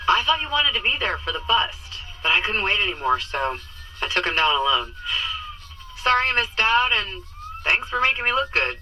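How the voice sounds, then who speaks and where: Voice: medium pitch, big pitch swings, moderate pace, sharp tone. A performer playing a smug, breezy superhero colleague leaving a gloating voicemail in a comic audio drama. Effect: voicemail over phone. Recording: noisy voicemail with street sounds.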